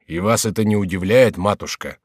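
A man's voice: fairly low pitch, a little fast, breathy edge, dry recording, clean studio sound. A man voicing a volatile, anguished adult male king in a storybook reading. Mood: agitated. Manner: agitated, imploring, wrathful.

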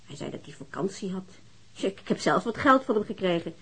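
Weary, husky, defensive divorced mother. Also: mid-range voice, lively intonation, brisk. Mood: hesitant. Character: weary, defensive divorced working-class mother being questioned. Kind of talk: naturalistic radio drama dialogue.

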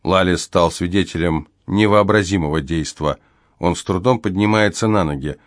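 A male narrator with a low voice reads an audiobook in a measured, grave way. The sound is dry and close, recorded in a studio booth. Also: dry recording. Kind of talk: scripted narration.

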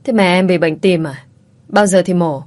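A woman voicing a caring older female friend who talks briskly and worriedly. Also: on the low side, a little mellow, close to an everyday voice. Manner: brisk, worried, scolding kindly.

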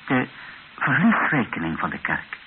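An actor playing a grave, self-doubting Catholic bishop in a radio drama, speaking reflectively and with deliberate pauses. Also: male voice, mid-range voice, wildly swooping pitch. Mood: earnest, self-critical. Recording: hissy, dull old radio recording.

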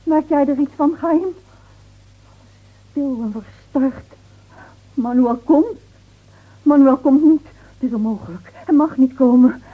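A woman acting an anguished, desperate woman in a theatrical radio drama, pleading and shifting between outcries and breathy whispers. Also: high voice, a little slow, long pauses. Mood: agitated pleading. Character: anguished, desperate woman dreading her beloved Manuel's return. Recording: tinny, band-limited old radio play recording.

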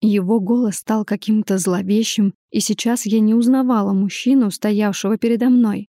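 A woman narrating a first-person audiobook in an even, measured way. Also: mid-range voice, no echo, studio quality.

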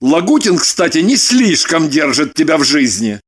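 An actor playing a wry, flirtatious man who talks a hysterical woman down with dry, mocking calm. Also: a little high, moderate pace, breathy edge. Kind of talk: audiobook character reading.

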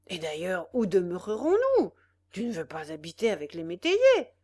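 A woman's voice: on the low side, wildly swooping pitch, normal speed, dark tone, voice pushed down. A woman doing a grumbling old farmer. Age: older. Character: elderly farmer father, grumbling and easily swayed.

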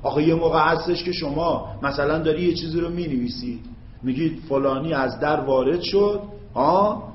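Man teaching grammar in an echoey room. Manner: drawn-out chanting of Arabic examples; checks understanding with quick questions to students. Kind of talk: classroom lecture. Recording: echoey, dull low-fi classroom recording.

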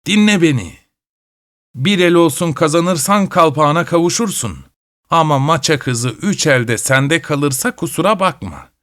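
A man voicing a shrill, screechy old witch who cheats at cards and taunts her opponent. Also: lively intonation, unhurried, a bit bright. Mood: taunting. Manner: mocking and taunting. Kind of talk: storytelling.

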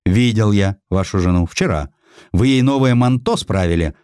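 A man acts out a dry, pedantic magazine editor in a historical audiobook. He is tight-fisted and indignant, scolding with lively, swooping intonation. The sound is close and dry. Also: fairly low pitch, moderate pace, smooth, no echo, lightly acted. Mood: scolding, grudging.

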